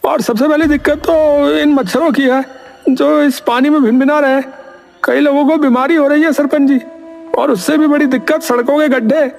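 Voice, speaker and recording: A man as a very high-voiced, complaining villager. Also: fairly even intonation, moderate pace, vocal fry, darkish tone, faint music behind. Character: aggrieved villager listing complaints, talkative and worried. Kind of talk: animated moral story dialogue.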